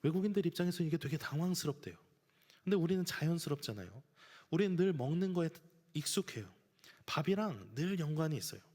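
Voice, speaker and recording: A man's voice: fairly high pitch, very animated, fast talker, a little mellow, breathy edge. A man preaching a sermon as pastor, earnest, sometimes acting out everyday scenes. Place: church sanctuary. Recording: church hall reverb.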